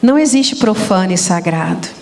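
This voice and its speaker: A young Brazilian woman hosting a Christian women's talk show on a church stage, telling lively stories and speaking straight to the audience. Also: medium pitch, normal speed, vocal fry, background noise. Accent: Brazilian Portuguese. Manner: animated storytelling, addresses audience as "gente".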